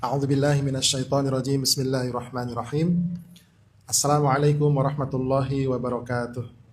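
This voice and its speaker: A man opening a sermon with Arabic formulas and then preaching in a steady, building listing rhythm. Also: medium pitch, fairly quick. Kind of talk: formal sermon opening, measured.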